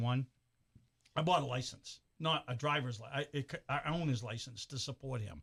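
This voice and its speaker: Here a man speaks in an unremarkable speaking voice. His pitch is medium, with ordinary pitch variation. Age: 60s. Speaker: motorsports radio show host. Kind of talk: casual chat.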